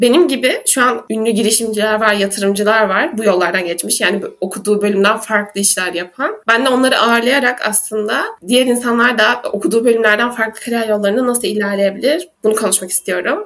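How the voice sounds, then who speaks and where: A woman speaks at a fairly quick pace with hardly any pauses, her pitch fairly high and her tone animated. Her pitch varies in an ordinary way, and there is noticeable background noise. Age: 20s. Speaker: university student and content creator. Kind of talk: casual interview chat. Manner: animated, laughs often.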